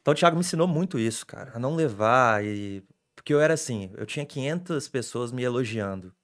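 A young man tells his stories at a rapid clip, his voice jumping with excitement. He is a sports reporter chatting on a casual podcast, speaking. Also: mid-range voice. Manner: animated storytelling, excitable.

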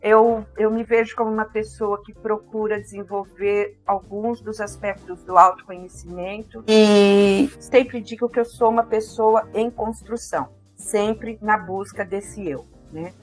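A woman's voice: medium pitch, fairly even intonation, faint music behind. Thoughtful older woman with caipira accent. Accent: caipira accent of interior São Paulo, with a strong R. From interior of São Paulo state, Brazil. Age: 50s or older. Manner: thoughtful, pausing to search for words. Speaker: interview guest. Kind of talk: reflective personal conversation.

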